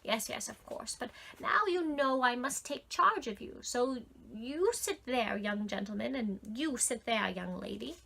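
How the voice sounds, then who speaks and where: A woman's voice: fairly high pitch, animated, measured pace, vocal fry, hardly any pauses, bright, forceful tone, slightly rough, full character voice. A woman voicing a crooked little old man who growls and quivers with anger. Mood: fussy.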